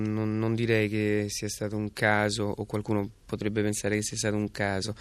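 A man, a band singer being interviewed, explains casually and haltingly, repeating words for emphasis. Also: medium pitch, dry recording. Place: recording studio.

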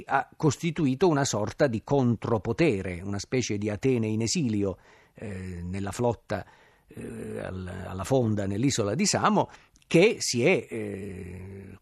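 A man giving a radio lecture on ancient history in a measured, thoughtful way, pausing often with "eh" as he gathers his thoughts. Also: fairly low pitch, breathy edge, no room sound, studio quality. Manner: measured, thoughtful delivery with frequent "eh" pauses.

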